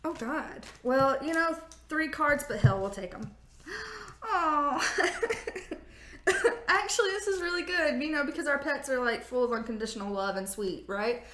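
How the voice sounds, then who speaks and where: A woman's voice: high voice, unhurried, pauses often, fairly bright tone. A woman giving a casual tarot reading on video, sassy and joking, often laughing. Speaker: tarot reader. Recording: roomy echo.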